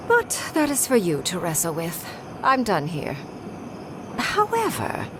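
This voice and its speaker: An actress playing a haughty, jaded archmage in a video game, speaking in an imperious, dryly disdainful way. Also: female voice, lowish voice, noisy background. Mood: haughty disappointment. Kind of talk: video game character acting.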